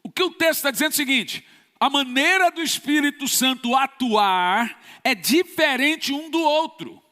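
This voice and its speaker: A man's voice: very high-pitched, lively intonation, moderate pace, sharp tone. A man from Brazil, a pastor preaching an emphatic sermon with sudden bursts of force. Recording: long church reverb.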